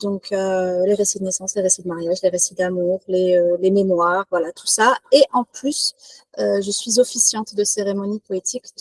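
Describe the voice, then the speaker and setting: At a moderate pace, a woman with a plain, everyday voice speaks at medium pitch with fairly even intonation, the sound dry and close with no echo. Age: 30s. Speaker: author and ceremony officiant. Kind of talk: interview testimony. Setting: podcast.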